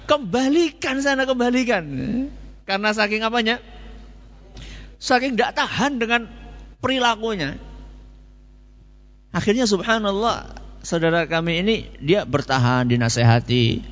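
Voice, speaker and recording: Man, preacher, fairly high voice, long hall reverb, muffled sound. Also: animated, normal speed, pauses often, a bit bright. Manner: storytelling, rhetorical questions answered himself. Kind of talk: Quran commentary lecture.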